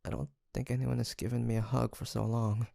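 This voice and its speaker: A man playing a weary, guarded but tender demon hunter in an intimate audio drama, speaking softly and haltingly. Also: medium pitch, level tone, creaky, no room sound, studio quality. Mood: tender, grateful. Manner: hesitant, halting, sighing, soft-spoken.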